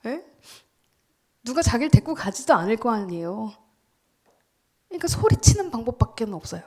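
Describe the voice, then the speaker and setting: A woman pastor delivers a sermon with a warm, mellow voice pitched a little above the usual. She preaches emphatically, often sinks into a whisper, and keeps asking the congregation questions before answering them herself. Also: sing-song, brisk, slightly rough. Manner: emphatic preaching, dropping to whispers for quoted lines.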